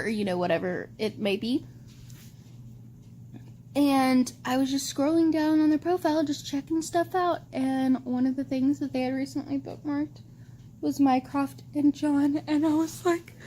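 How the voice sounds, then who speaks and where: High-voiced, dramatic woman vlogging. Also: a little hiss or hum. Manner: animated and overdramatic, heavy use of "like". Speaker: book vlogger. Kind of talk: casual vlog chat to camera.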